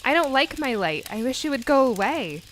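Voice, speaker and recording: A woman voicing a shy, self-conscious young female firefly in a children's story, speaking softly. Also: high voice, big pitch swings, normal speed, slight background noise. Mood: sad.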